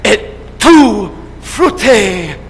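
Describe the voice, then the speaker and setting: An actor playing a jealous, melodramatic lover who slips into Shakespearean declaiming, performed on a school auditorium stage. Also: male voice, sits high, big pitch swings, a little slow, gravelly, fairly bright tone, heavily acted. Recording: echoey auditorium, faint noise.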